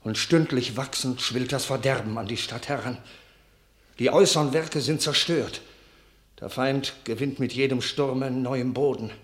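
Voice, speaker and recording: An actor as an anxious medieval town councillor pleading for his city. His mid-pitched voice is solemn and formal, in the manner of a classic radio play. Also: normal speed, lightly acted. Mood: grave, pleading. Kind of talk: classical radio drama acting.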